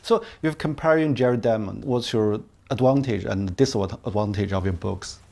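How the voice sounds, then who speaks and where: A man's voice: fairly low pitch, moderate pace, vocal fry, darkish tone. A man whose first language is Chinese, interviewing in non-native English, often murmuring short "mm" responses.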